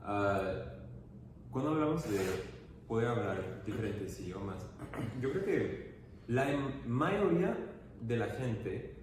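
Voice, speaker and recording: A man hosts a casual interview, building his questions slowly and hesitantly. The recording is distant and very roomy, with clear noise in the background. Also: medium pitch, animated. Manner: thoughtful, hesitant, many fillers. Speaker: interview host.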